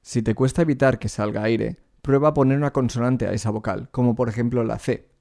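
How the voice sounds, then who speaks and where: A man with an ordinary middle-pitched voice leads a singing lesson. He explains each point clearly and speaks straight to the learner. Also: steady tone, brisk, warm tone. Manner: clear explanatory teaching, addresses the learner directly. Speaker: vocal coach.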